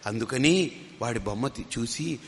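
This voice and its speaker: A man's voice: mid-range voice, animated, measured pace. A man teaching as a swami in a spiritual discourse, telling stories and acting out what people said, mixing in English phrases. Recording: long hall reverb.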